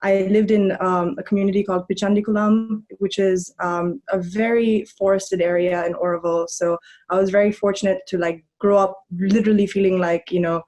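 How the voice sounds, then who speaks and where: Soft-spoken young woman guest. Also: mid-range voice, fairly even intonation, brisk. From Germany. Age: young adult. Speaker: podcast guest. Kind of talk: casual conversation.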